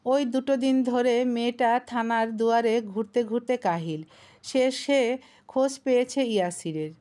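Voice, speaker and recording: Young female storyteller, expressive scripted narration, fairly high voice. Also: measured pace.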